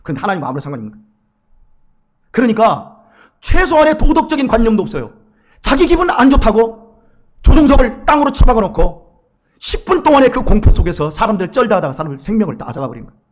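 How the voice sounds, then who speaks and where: A male pastor preaching a sermon in a church, acting out quoted voices and swinging between loud urging and hushed asides. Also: high voice, very animated, fast, long pauses. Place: church sanctuary.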